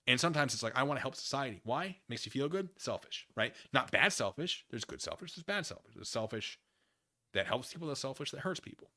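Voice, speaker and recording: A man hosting a casual livestream, thinking out loud in an opinion monologue, often rephrasing and qualifying what he says. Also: mid-range voice, expressive. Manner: musing, halting, often rephrasing and qualifying himself. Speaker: livestream host. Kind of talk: casual opinion monologue, answering chat comments.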